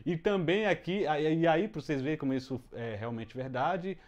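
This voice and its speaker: A man's voice: on the high side, moderate pace, dull audio. Man teaching a casual music lesson. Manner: explains step by step, with many fillers and restarts. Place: room at home with the window closed. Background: children heard from outside.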